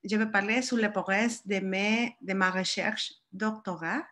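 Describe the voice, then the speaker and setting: A Mexican woman with a Spanish accent speaks slowly and haltingly, searching for each word. She is presenting academic research over an online video call. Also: medium pitch, steady tone, a bit bright. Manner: careful, halting, searching for words. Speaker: guest speaker, doctoral researcher.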